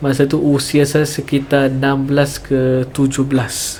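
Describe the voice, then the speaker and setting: Against noticeable background noise, a man with a Malaysian accent speaks at a fairly high pitch. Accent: Malaysian Malay. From Malaysia, Kuala Lumpur. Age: 40s. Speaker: professor. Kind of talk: podcast interview. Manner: relaxed, casual.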